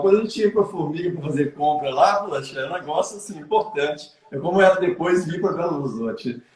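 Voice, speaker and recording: A man's high-pitched voice at a fairly quick pace, with hardly any pauses, ordinary pitch variation, big swings in loudness and noticeable background noise. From Minas Gerais, Brazil (Santo Antônio do Monte). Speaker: interviewer. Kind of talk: casual chat.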